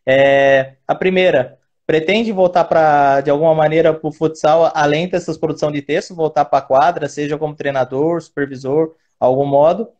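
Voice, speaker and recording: A man's voice: a little high, fairly even intonation, normal speed, hardly any pauses, darkish tone, dull audio. A man hosting a casual live interview, asking friendly, rambling questions full of restarts. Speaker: host, interviewer.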